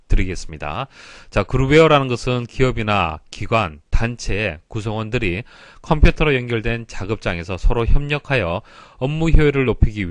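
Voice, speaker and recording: A man's voice: fairly low pitch, dry recording. A man lecturing as an exam-prep instructor, explaining step by step and repeating key terms for emphasis. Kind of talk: instructional lecture working through past exam questions.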